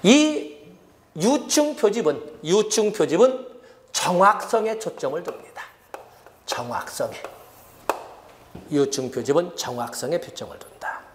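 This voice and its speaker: A middle-aged male lecturer with a high, lively voice that leaps up and down. He teaches an exam-prep class and repeats key terms as he writes them out on the board. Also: normal speed, slight background noise.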